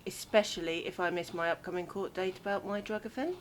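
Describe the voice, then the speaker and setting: A woman's voice: on the low side, a little fast, slight background noise, lightly acted. A woman playing a sceptical, grudging bank robber on the run in an audio drama. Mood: dry. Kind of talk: amateur audio drama acting.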